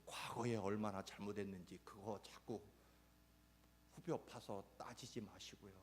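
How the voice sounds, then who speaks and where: A man's voice: fairly low pitch, steady tone, measured pace, slight background noise. Earnest male pastor preaching. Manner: earnest, addresses the congregation directly. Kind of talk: sermon. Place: church.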